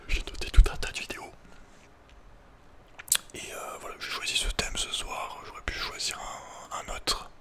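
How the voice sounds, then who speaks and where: Male ASMR host, fully whispered, casual and halting delivery, personal advice chat. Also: pushed and bright. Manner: hesitant, halting, informal. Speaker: ASMR video creator and host.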